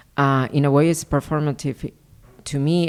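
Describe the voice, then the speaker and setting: Moderate pace, in a Spanish accent. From Mexico. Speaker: visual artist. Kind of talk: interview.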